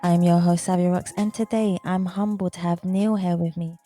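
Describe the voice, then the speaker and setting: A woman's voice: on the low side, fairly even intonation, moderate pace, dark tone. A woman hosting a podcast interview, earnest and effusive as she asks her guest questions. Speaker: podcast host.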